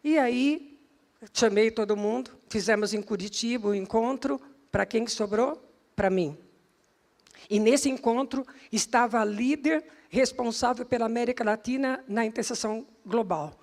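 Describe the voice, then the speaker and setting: A middle-aged woman from Brazil with a Brazilian Portuguese accent, telling a personal testimony as a prophetess, lively, laughing often and repeating words as she goes. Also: on the high side, normal speed. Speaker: prophetess and intercession leader.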